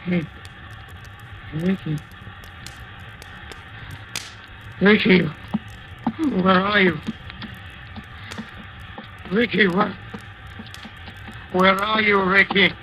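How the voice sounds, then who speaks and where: A man's voice: sits high, fairly even intonation, very slow, long pauses, lo-fi sound, background noise. An actor playing a desperate abandoned man who calls out and pleads in a 1940s radio drama, on an old recording. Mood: searching. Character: despairing man abandoned, begging his friend to return.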